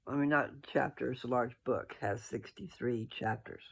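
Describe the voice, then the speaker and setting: A sleepy, yawning man with a gravelly voice rambles through scripture for his followers. His pitch is medium, his tone steady, and his speed normal. He's folksy and meandering, often correcting himself as he reads and comments.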